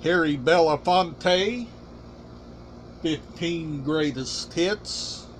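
Slow, halting man with a higher-pitched voice. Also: a little hiss or hum. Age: middle-aged. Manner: deliberate, halting, short emphatic phrases. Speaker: collection channel host. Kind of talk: casual show-and-tell vlog. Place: small room indoors.

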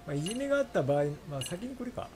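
A man streaming a game with casual, quick commentary. His voice is slightly high and lively in intonation, with faint noise behind it. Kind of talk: casual gameplay commentary, reading choices aloud.

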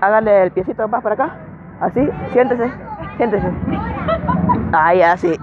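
Loud high-voiced young prankster. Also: male voice, moderate pace. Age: young adult. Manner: loud, exasperated, swearing. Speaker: prank youtuber. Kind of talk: street prank comedy. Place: outdoor town plaza. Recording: tinny lo-fi audio, music and crowd behind.

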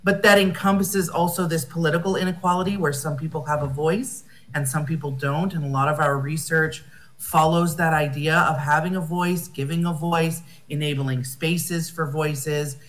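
American woman, slightly low voice, academic speaker on a video call, reflective and searching for words. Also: fairly even intonation, moderate pace. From United States. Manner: thoughtful, rephrasing often, with fillers. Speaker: conference speaker. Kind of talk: academic conference talk.

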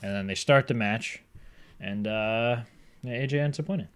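A man's voice: mid-range voice, normal speed, a bit bright, clear, resonant tone. A man co-hosting a podcast, chatting about wrestling and filling in and correcting details of a show. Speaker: podcast co-host. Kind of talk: casual wrestling chat.

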